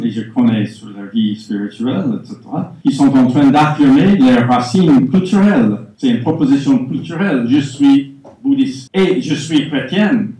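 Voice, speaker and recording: A male conference speaker answering audience questions in a measured, explanatory way, with frequent pauses. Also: mid-range voice, warm tone. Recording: echoey hall, far from the mic.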